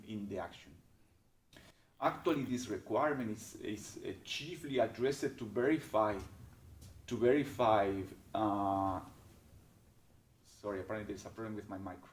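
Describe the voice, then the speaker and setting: A man with a strong, slightly low voice explains rules in a webinar Q&A, building his points step by step with frequent restarts and hesitations. The sound is roomy and echoey, and he is picked up by a microphone some distance away. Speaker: expert presenter answering questions.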